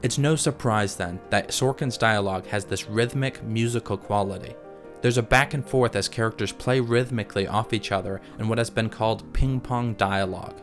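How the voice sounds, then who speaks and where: Low-voiced man narrating a video essay. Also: over music. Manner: measured, analytical explaining. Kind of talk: scripted voice-over narration.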